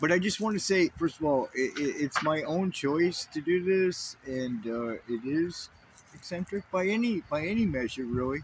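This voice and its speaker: A man with a fairly high pitch, lively intonation and a Maine accent. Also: moderate pace. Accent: New England (Maine) US English. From Maine, US. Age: 60s. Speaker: Buddhist video host. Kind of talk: casual monologue. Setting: outdoors at a camp. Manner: halting, many fillers.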